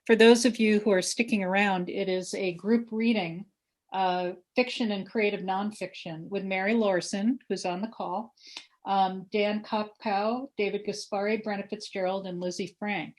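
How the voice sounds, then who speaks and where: A woman hosting and moderating an event, making informal announcements in a casual, halting way. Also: mid-range voice, steady tone.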